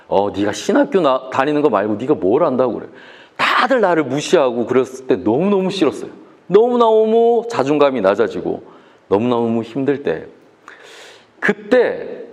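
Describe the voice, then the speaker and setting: A man in his forties, a pastor, preaching to a young adults' discipleship class and asking the audience questions. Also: a little high. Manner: animated, asks the audience questions.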